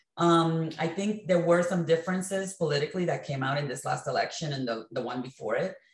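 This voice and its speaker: A woman's very deep, low voice, somewhat breathy, at a fairly quick pace, with audible room echo. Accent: Spanish. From Puerto Rico. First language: Spanish. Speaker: writer and journalist; journalist. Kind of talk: panel discussion. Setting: video call. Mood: thoughtful, measured. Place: home room. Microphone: video call.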